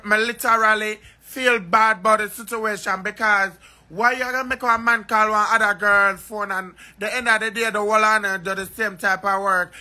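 Man for an emotional vlog rant; high-pitched, circles back to the same phrases again and again. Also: sharp tone. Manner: rambling, repeats phrases over and over.

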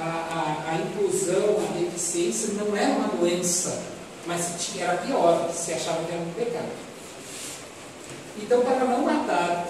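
A man with a Brazilian accent giving a didactic religious lecture, repeating phrases and asking rhetorical questions. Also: sits high. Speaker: speaker at a spiritist lecture. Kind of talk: expository religious lecture to an audience. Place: medium-sized meeting room, indoors. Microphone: distant audience camera. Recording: echoey hall, distant microphone, loud noise.

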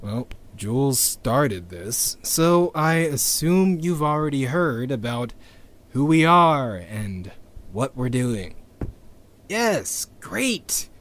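A man's voice: medium pitch, fairly bright tone. A man playing a bitter, sardonic doomsayer in an audio drama, speaking in a dry, blunt way. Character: bitter, sardonic doomsaying male team member.

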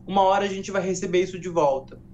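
A man with a voice a little higher than most, telling an old folk tale softly and without hurry. The sound is slightly dull, with a faint hum underneath, as in a studio broadcast. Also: fast. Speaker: guest, educator and storyteller.

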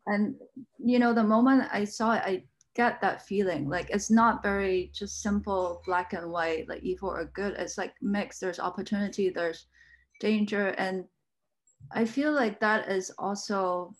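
A woman's voice: mid-range voice, fairly even intonation, a little slow, poor audio. A young woman on a video call giving casual, reflective commentary in an informal, conversational way. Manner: informal, frequent "like" and "you know". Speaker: artist, panel guest.

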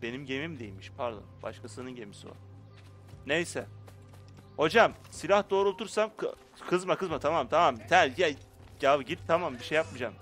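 A man commenting casually on his gameplay, playfully arguing with the game's characters and swinging from muttering to loud outbursts. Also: a little high, animated, moderate pace, soft background music. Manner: playful, talks to game characters in mock indignation. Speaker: gaming YouTuber.

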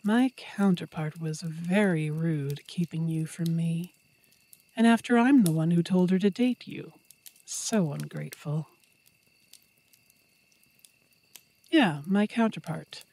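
A woman's voice: lowish voice, warm tone, pitched below the performer's own voice. A woman voicing a confident, flirtatious female werewolf with a teasing manner in an intimate roleplay audio drama. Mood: irked, confiding. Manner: teasing, bold, unhurried.

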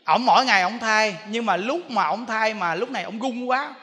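High-voiced Southern Vietnamese monk preaching. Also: male voice, moderate pace. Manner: animated, laughing storyteller addressing the audience. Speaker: Buddhist monk teacher. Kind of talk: sermon. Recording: long reverb in a large hall.

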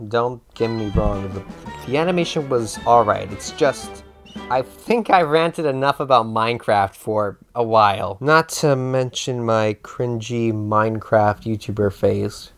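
Speaking to camera with a medium-pitched, slightly slow voice, a man in his twenties riffs on fandom as a comedic YouTube host, rambling, theatrical, and prone to cutting himself off. He holds a microphone close to his mouth in a small bare-walled room indoors while music plays in the background.

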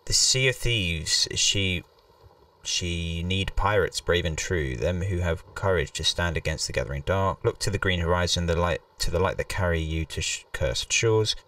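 Man putting on a very deep, solemn pirate storyteller. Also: pushed and bright, no echo, distant mic. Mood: solemn, ominous. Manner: slow, solemn, dramatic reading. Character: solemn storybook pirate narrator reading an old journal. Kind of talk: reading game text aloud.

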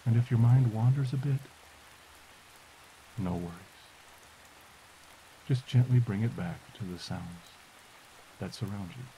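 Very soft, mellow man guiding meditation over rain. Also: medium pitch, poor audio. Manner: soft, slow, soothing delivery. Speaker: podcast host. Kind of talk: guided meditation. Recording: hiss and rain noise.

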